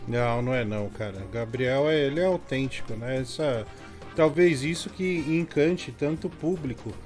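A man hosting a call-in show, calmly teasing and settling down angry listeners. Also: mid-range voice, normal speed, soft background music. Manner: calming, teasing, chatty. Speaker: radio show host. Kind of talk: casual studio call-in talk.

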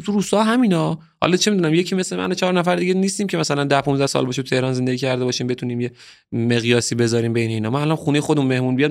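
A man from Bushehr in southern Iran, a musician guest on a podcast, talking casually in an earnest, opinionated way that turns heated at times. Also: medium pitch.

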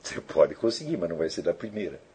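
A man's voice: low-pitched, very animated, fast, mellow, a little hiss or hum. A man giving an informal spoken lecture, answering listener questions and tagging his sentences with checking questions.

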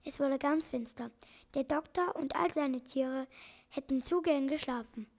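High-pitched woman reading a kids' story aloud, lots of drama in it. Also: measured pace, a little mellow. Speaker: narrator. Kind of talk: children's audiobook reading.

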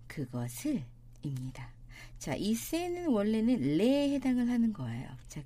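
A woman teaching a language lesson, explaining grammar and reading example sentences slowly and deliberately. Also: mid-range voice, dark tone, husky. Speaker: Spanish teacher.

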